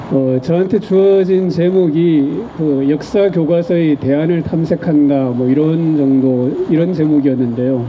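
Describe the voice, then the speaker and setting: A man speaks in a normal speaking voice at a fairly high pitch and a fairly slow pace, with ordinary pitch variation. His loudness stays very even, he hardly pauses, and light background noise is present. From South Korea. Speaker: high school history teacher. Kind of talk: lecture. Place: street. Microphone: handheld.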